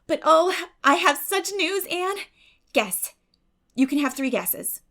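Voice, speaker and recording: A woman voicing a lively, blunt young girl in an audiobook, eager and emphatic. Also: very high voice, slow pace, voice pushed up, full character voice. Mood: excited, teasing. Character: lively young girl, excited bearer of news, bluntly indignant. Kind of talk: dramatic audiobook character reading.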